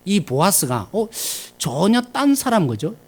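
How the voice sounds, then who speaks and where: Male preacher, midweek service; husky, animated, lively pitch. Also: a little slow. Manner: animated preaching, swings between loud emphasis and quiet asides. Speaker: pastor. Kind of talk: sermon. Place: church sanctuary.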